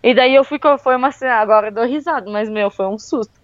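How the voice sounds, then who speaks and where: A woman tells a travel story in a casual, chatty way, full of fillers. Her voice sits a little high. The recording is close and dry, with a slightly dull, muffled tone. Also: fast talker, dry recording. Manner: lively, with many fillers like "tipo" and "meu". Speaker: guest telling a travel story.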